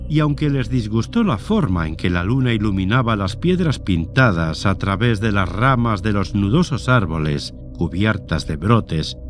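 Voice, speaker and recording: Man narrating horror with lively, swooping intonation. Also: medium pitch. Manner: measured, literary storytelling. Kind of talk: scripted horror story narration.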